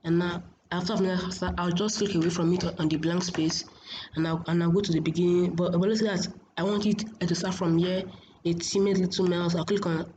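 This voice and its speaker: A woman giving a casual software tutorial in a hesitant, repetitive, halting way, as a host. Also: on the low side, fairly even intonation. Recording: muffled, noisy home screen recording.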